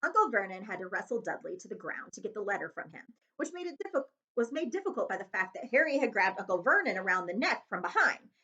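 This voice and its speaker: A lively, bright female voice narrates a storybook expressively. Her pitch is fairly high, and the recording sounds slightly dull and lo-fi. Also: fast, few pauses. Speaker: read-aloud host.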